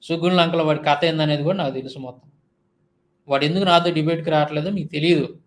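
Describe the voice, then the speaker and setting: A man's voice: a little high, fairly even intonation, quick pace. A man giving a heated monologue rebuttal, firing off indignant rhetorical questions. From India. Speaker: Christian YouTube commentator.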